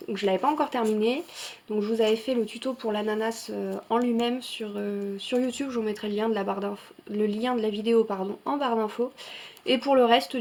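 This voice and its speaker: A woman with a slightly high voice chats through her finished coloring pages in a relaxed show-and-tell vlog. She talks loosely, full of little fillers and quick self-corrections as she goes. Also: a little hiss or hum. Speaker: coloring channel host.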